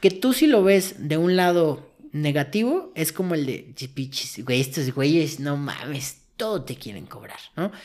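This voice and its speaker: A man with a Mexican accent at a fairly slow pace, his pitch swinging very widely, in a very clean recording with a silent background. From central Mexico (Querétaro). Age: 30s. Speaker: marketing professional. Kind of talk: casual chat.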